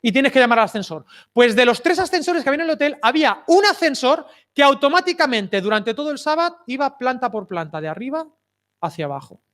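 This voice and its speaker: A man's voice: very high-pitched, sing-song, fast, fairly bright tone. A man preaching a sermon, telling anecdotes and putting rhetorical questions to his listeners. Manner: storytelling, asks the audience rhetorical questions. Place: open-air summer cinema.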